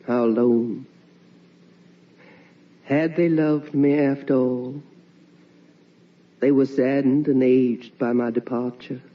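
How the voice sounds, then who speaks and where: A slow, mournful ghost wife. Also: female voice, extremely low pitch, fairly even intonation, heavily acted. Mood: sorrowful, yearning. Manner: slow, hushed, theatrical delivery. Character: mournful ghost of a wife and mother, longing and tender. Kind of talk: radio drama monologue. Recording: muffled old radio recording, distant mic.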